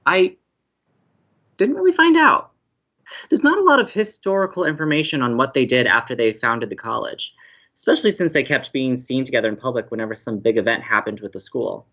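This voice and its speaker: Muffled, lively, romantic young college radio host played by a woman. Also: rumbling low, brisk, exaggerated voice. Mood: earnest, informative. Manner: effusive, earnest. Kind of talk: audio drama romantic comedy dialogue.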